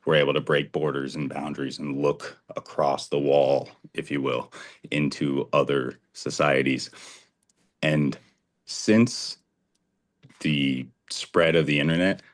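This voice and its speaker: Very deep-voiced young male caller. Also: steady tone, a little slow. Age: 20s. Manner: earnest, rambling, loses his train of thought. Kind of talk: casual call-in conversation.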